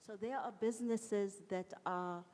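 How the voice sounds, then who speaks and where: A woman with a soft voice speaking hesitantly on a panel, into a handheld mic in a conference hall. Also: medium pitch, fairly even intonation, unhurried. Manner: hesitant, many fillers. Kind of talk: panel discussion.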